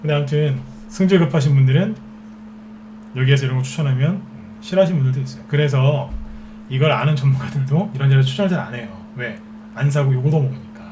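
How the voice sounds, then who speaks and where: A man's voice: medium pitch, fast, dark tone, a little hiss or hum. A man giving a stock trading lecture as a market expert, who keeps asking rhetorical questions and answering them himself. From Seoul capital region.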